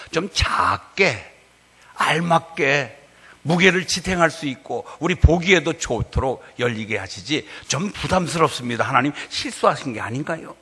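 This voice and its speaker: Man acting out a fretful farmer, bright husky voice, rising questions, long hall reverb. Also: on the high side, heavily acted. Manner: questioning, complaining to God aloud. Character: grumbling then grateful male farmer.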